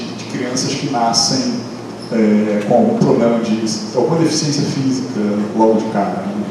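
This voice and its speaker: A man speaking as a public defender on a course panel, hesitant with many restarts. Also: medium pitch. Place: lecture room. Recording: echoey hall from far off, noisy.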